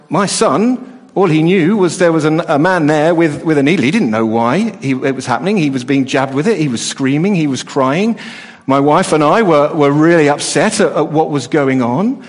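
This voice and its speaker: A middle-aged man preaching a sermon, earnest, often restarting and repeating words as he talks. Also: on the high side. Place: church hall. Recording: long reverb of a hall.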